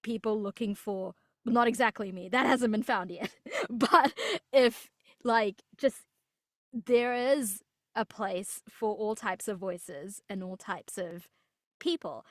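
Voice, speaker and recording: A woman's voice: medium pitch, takes it slowly, no echo, clean studio sound. A young woman from New Zealand, a voice actor, chatting cheerfully in an interview with frequent restarts. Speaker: voice actor guest. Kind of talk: casual interview chat.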